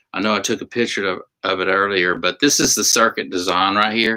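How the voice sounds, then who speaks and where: A man talks at a moderate pace with a fairly low pitch and fairly even intonation. His tone is bright and sharp. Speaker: YouTuber reviewing studio gear, singer. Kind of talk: casual vlog talk. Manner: casual, filler-heavy.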